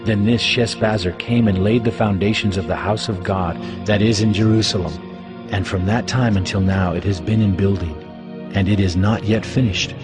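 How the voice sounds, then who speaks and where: A man's voice: lowish voice, fairly even intonation, normal speed, close to an everyday voice. A man playing a solemn Jewish elder, a servant of God, declaring his people's history in a dramatized Bible reading. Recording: music bed under the voice.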